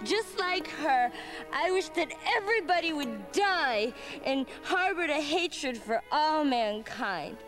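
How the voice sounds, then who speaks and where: An actress playing a scornful, wounded young gypsy psychic in a dramatic video game cutscene. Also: female voice, high-pitched, animated, takes it slowly. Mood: anguished. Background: music.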